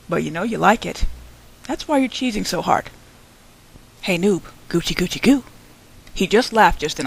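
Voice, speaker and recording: A woman's voice: mid-range voice, poor audio. A young woman hosting her own channel, answering another vlogger in a sarcastic, combative response rant.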